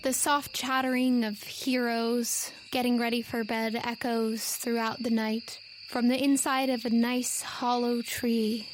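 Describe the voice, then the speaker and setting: A woman hosting a tabletop game podcast as game master, expressive and enthusiastic in her delivery. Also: fairly high pitch, noisy background. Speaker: game master and show host. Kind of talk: announcements and storytelling narration for a tabletop game podcast. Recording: music behind the voice.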